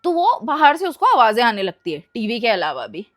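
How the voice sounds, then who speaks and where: A young woman casually narrating a spooky story, mixing Hindi and English in an animated way. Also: fairly high pitch, moderate pace.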